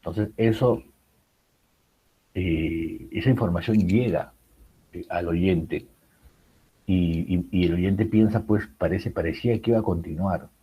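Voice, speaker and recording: A man's voice: deep voice, a little slow, pauses often, husky, muffled recording. A man teaching a writing class, explaining public speaking with many rhetorical questions and fillers. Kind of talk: recorded class lecture.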